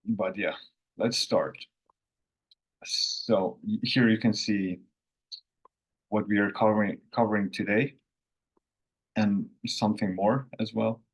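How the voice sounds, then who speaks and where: A man who is a native Finnish speaker, hosting a casual online language lesson in an unhurried, rambling way with self-corrections. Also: lowish voice, fairly even intonation, slightly rough, poor audio. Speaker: language course host.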